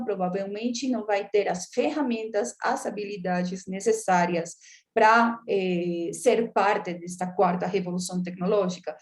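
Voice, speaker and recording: A woman's voice: mid-range voice, darkish tone. Hesitant woman lecturing, frequent fillers. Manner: hesitant, many filler sounds while searching for words. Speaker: academic lecturer. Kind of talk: academic lecture with slides.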